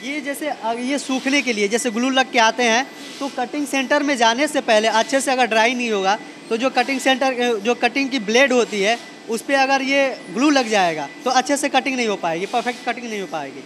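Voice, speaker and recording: High-pitched young man explaining a factory. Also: a little fast, fairly bright tone, slight background noise. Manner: plain step-by-step explaining with many restarts and fillers. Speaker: factory guide at a printing press. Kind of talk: explaining a production process on a walkthrough. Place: large indoor factory floor with running machines. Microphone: handheld mic held by the interviewer.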